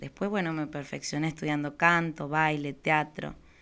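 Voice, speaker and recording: Recorded very cleanly over a silent background, a woman speaks in a fairly low voice. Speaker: cumbia singer and streaming show host. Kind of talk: casual radio interview. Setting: radio studio.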